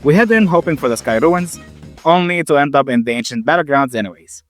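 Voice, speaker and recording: A young man who stutters often, narrating and reacting loudly to a game he is playing, casual and swearing. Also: a little high, animated, brisk, faint music behind. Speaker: gaming YouTuber. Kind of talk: game commentary with voice-over narration.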